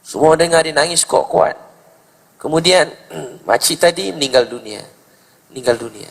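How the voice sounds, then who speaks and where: Man, Malaysian preacher, sermon storytelling, fairly high voice, long hall reverb. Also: normal speed, gravelly, slightly rough. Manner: repeats phrases for emphasis, rises in pitch for dramatic quotes.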